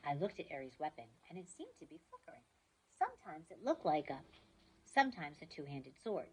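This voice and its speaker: A woman reading a novel aloud with expressive storytelling. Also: deep voice, a little fast, breathy edge, low-quality recording. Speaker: reader.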